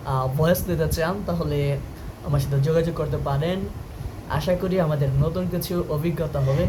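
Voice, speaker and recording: High-voiced male story narrator. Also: noisy background. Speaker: voice artist and narrator.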